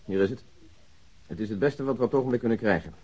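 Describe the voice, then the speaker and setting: Actor as dry, husky male police detective. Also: medium pitch, quick pace, darkish tone, lo-fi sound, close to an everyday voice. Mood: formal, measured. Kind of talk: Dutch radio crime drama acting.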